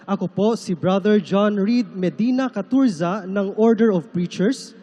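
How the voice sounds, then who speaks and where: A man's voice: high voice, unhurried, warm tone. A man with a Filipino accent hosting a solemn religious broadcast in a formal, reverent manner. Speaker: host, religious brother.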